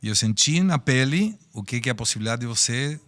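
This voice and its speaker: A man's voice: mid-range voice, animated, fast talker, fairly bright tone. A man in his sixties from Argentina, with an Argentine accent, a native Spanish speaker, telling personal stories in a podcast interview in a reflective way. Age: 60s. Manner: reflective, storytelling, speaks of personal life lessons. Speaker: guest.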